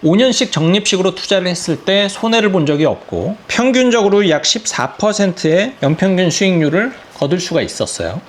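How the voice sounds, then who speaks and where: Man, finance video host, animated intonation, conversational, self-questioning. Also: high voice. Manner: conversational, asks and answers his own questions. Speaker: finance YouTuber. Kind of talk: explanatory talk to camera.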